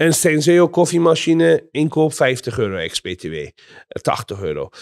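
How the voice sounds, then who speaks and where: A man with a fairly high pitch talks at a very slow pace. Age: 40s. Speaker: entrepreneur. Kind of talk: interview. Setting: at his home. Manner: hesitant with many fillers.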